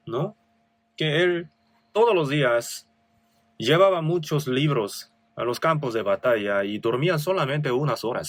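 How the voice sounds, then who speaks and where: A man's voice: mid-range voice, dry recording. A male pastor with a Korean accent preaching a sermon, reading scripture with rising emphasis and asking rhetorical questions.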